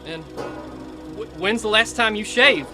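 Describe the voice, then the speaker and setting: A man's voice: high-pitched, animated, slow, over music. A man acting an earnest, plain-spoken country monster hunter in an audio drama, with a Southern American accent. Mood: uneasy, suspicious. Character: earnest rural monster hunter avenging his uncle.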